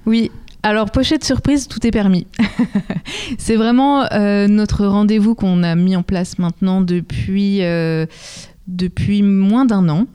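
A woman with a mellow, smooth voice speaks as an interview guest. She explains things conversationally, in a welcoming manner, at a medium pitch. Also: takes it slowly. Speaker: music venue programme representative, guest.

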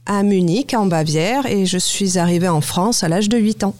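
A woman's voice: mid-range voice, moderate pace, a little mellow, dry recording. A woman from Germany who teaches German, answering interview questions thoughtfully and searching for words. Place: high school.

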